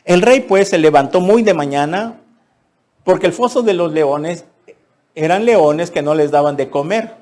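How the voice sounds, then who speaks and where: A man preaches a sermon, his voice sitting fairly high. He reads scripture and then retells it dramatically in everyday speech, slipping into the characters. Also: animated, unhurried, a little mellow. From Mexico. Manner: dramatic, acts out the king and Daniel in voices; reads scripture aloud then explains it plainly. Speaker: pastor.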